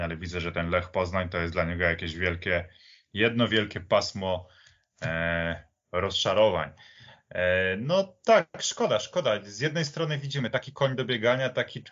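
A man talking reflectively and haltingly about sport in a conversational podcast style. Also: low voice, fairly bright tone, muffled recording. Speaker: podcast speaker.

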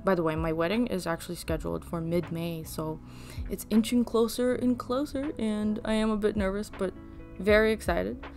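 A woman's voice: mid-range voice, moderate pace, a little mellow, soft background music. A young woman whose first language is Russian, rambling chattily in a casual voice-over while she draws, with fillers and laughs. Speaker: art channel host.

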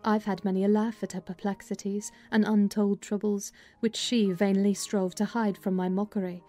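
A woman playing a plain-spoken housekeeper, recounting family history in a measured dramatized literary reading. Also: mid-range voice, level tone, warm tone, close to an everyday voice. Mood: measured, candid. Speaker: audiobook narrator. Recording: music bed behind voice.

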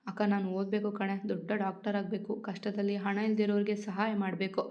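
Woman reading as a nervous young male student, hesitant, pleading, flat tone, dull lo-fi audio, storybook reading. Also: medium pitch, a little fast, close to an everyday voice. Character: anxious young male student, wife's brother.

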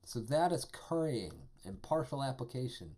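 A man's voice: medium pitch, sing-song, moderate pace, dark tone. A man teaching a live-streamed programming lesson, talking casually and enthusiastically with lots of fillers as he types code. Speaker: programming instructor.

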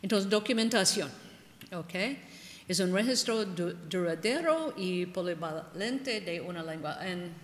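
An older woman whose first language is English, giving an academic lecture in halting speech with frequent "ah" and "ok". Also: on the low side, lively intonation, slight background noise. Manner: halting, frequent "ah" and "ok", gestures widely. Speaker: linguist giving a conference talk. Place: large ornate conference hall. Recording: echoey hall with long reverb.

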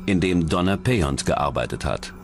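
A man's voice: low voice, lively intonation, normal speed, background noise. A man reading scripted true-crime documentary narration as the narrator. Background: background music.

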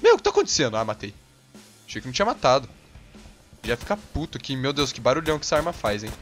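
A young Brazilian man with a Brazilian accent giving hot-tempered gameplay commentary, swearing and bursting into yells. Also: mid-range voice, big pitch swings, quick pace, soft background music. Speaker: gaming channel host.

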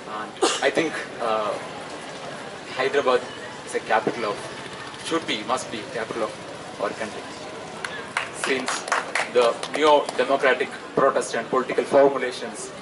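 A man in his twenties with a South Asian accent gives a protest speech as a student activist, halting and pausing often. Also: medium pitch. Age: 20s. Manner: halting, hesitant delivery with frequent pauses. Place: outdoors at night, open-sided tent gathering. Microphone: handheld microphone through PA, recorded by camera. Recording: distant outdoor PA sound, loud ambient noise.

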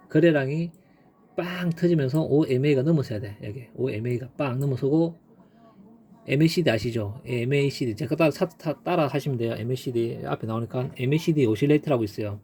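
A man with a mellow, relaxed voice talks viewers through stock charts in a casual lesson. He repeats his points and punches them up with bursts like "빵" and "빡". A faint hiss sits underneath the recording. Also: medium pitch, a little fast. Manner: emphatic, repetitive, peppered with sound effects like "빵" and "빡". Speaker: stock trading instructor.

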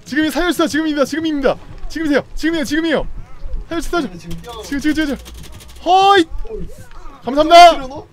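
A man streaming a game, commenting excitedly with loud outbursts and frantic repeated words. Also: very high-pitched, rapid-fire, pauses often. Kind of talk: excited live gameplay commentary.

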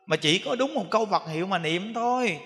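Brisk and high-pitched, a man speaks as a Buddhist monk offering a dharma talk with a southern Vietnamese accent. His delivery is animated and repetitive as he acts out everyday examples, and the recording carries the echo of a hall.

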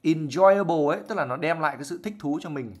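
A man's voice: a little high, rapid-fire, fairly bright tone, slightly rough. A man teaching English vocabulary on a live stream. He reads a novel aloud and explains words chattily, mixing English words into his talk and acting out examples. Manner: laughs and acts out examples while explaining. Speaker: IELTS teacher.

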